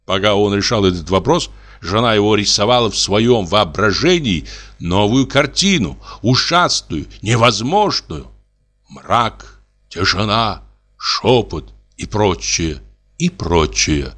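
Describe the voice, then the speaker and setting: A man narrating a classic short story as an audiobook, with expressive storytelling. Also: fairly low pitch, slow.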